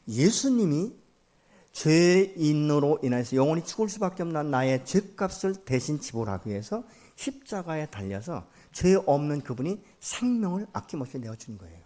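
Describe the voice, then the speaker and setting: A man preaching a Sunday sermon in a fairly high voice. He tells a story dramatically and swings widely in pitch. He swells loud on key points and drops to near-whispers. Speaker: pastor.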